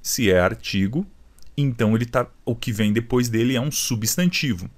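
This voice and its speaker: A male teacher with a Brazilian Portuguese accent records a video lesson. His voice sits at a middle pitch, and his delivery is explanatory and patient. He repeats the key points and puts questions to the viewer to check understanding. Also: normal speed.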